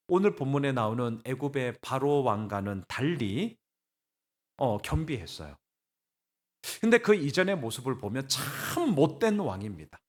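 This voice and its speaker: In a church sanctuary, a pastor with a mid-range voice preaches a Sunday sermon. He is animated and conversational, blunt and colloquial, sometimes laughing, and throws rhetorical questions at his congregation.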